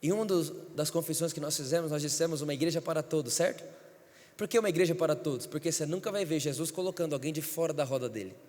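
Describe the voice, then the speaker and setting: A man's voice: on the high side, fast, darkish tone. A man, a pastor, preaching an emphatic storytelling sermon in a church. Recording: church hall reverb.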